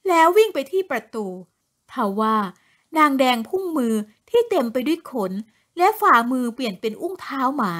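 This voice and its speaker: A woman narrating a horror story in an expressive storytelling manner. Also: high-pitched, moderate pace.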